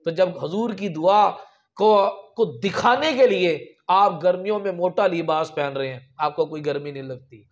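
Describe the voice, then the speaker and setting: A man's voice: high voice, dull audio. A man preaching a sermon, telling religious stories with emphatic raised peaks. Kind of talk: storytelling sermon.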